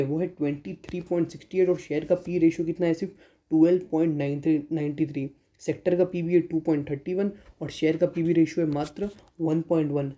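A man's voice: on the high side, dark tone. A man hosting a stock market channel, giving a voice-over analysis of share figures and mixing English terms into Hindi, at times correcting himself mid-sentence.

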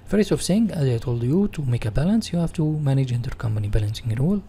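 A man with an Egyptian Arabic accent teaches in a mellow, mid-pitched voice. He reads out material and rephrases it in non-native English, like a software tutorial. There is faint noise on the recording. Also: expressive, fast. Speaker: instructor. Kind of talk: software tutorial reading slides and explaining.

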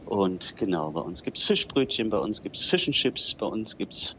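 This thirty-something guest, a bistro owner from Berlin-Spandau who grew up in Dithmarschen, chats easily in a casual interview and keeps dropping in "genau" and "ähm." His voice sits fairly low and moves at a moderate pace. The audio is rough, with some hiss or hum.

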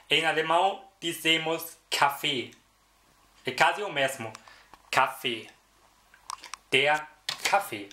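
A man teaching vocabulary in a slow, repetitive lesson, carefully pronouncing each word several times. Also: fairly high pitch, pushed and bright, slight background noise. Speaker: German language teacher.

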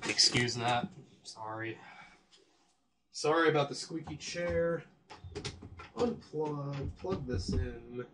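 A man with a voice gone slightly hoarse talks his way through a software review at his desk. He speaks slowly, in an offhand, think-aloud way, and swears when something surprises him. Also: mid-range voice, heavy background noise. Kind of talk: casual screen-recorded software review.

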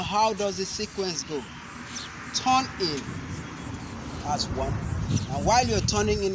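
A young man demonstrating self-defense moves, explaining each step slowly and deliberately, with sharp shouted cries on the strikes. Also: sits high. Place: outdoor concrete court. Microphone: camera mic at a distance. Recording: outdoor noise from a camera mic.

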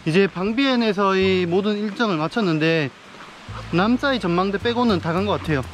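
A young man chatting casually to a camera held at arm's length as he vlogs outdoors by a river and a jungle waterfall, upbeat and quick to get excited. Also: high voice, faint music behind. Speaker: travel vlogger. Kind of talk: casual travel vlog.

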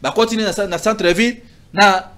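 A man's voice: high-pitched, fairly quick. A man in his thirties arguing politics in a heated TV studio debate, gesturing a lot and stumbling over repeated syllables. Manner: animated, gesturing, stammering restarts. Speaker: political commentator. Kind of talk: heated talk-show debate. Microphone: lapel.

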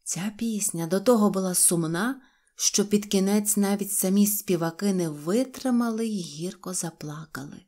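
A woman reading a children's fairy tale aloud with gentle, expressive storytelling. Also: medium pitch, normal speed. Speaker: audiobook reader. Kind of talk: fairy-tale audiobook narration.

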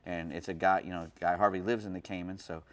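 Deep voiced guy showing off fishing gear, rambly, lots of uh and restarts. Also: fairly even intonation, fast. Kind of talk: casual show chat.

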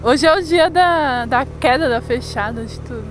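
A woman's voice: high-pitched, normal speed. Young woman vlogging from a motorbike. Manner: chatty, exclaiming at traffic, laughing. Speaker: motovlogger. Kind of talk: casual running commentary while riding. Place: outdoors on a motorcycle in city traffic. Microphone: helmet or camera mic while riding. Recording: wind and engine noise from a motorcycle ride. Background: traffic and motorcycle engine noise.

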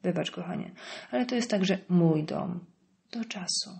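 A woman's voice: fairly low pitch, unhurried, vocal fry, warm tone. A woman reading an audiobook voices a curt, irritable middle-aged politician husband. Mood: curt, irritated. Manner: curt, dismissive.

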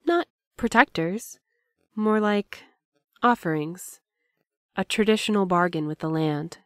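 A woman playing a thoughtful, dreamy young courier who speaks softly and muses philosophically. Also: mid-range voice, measured pace, no room sound, clean studio sound, lightly acted. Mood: musing. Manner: soft, musing, philosophical.

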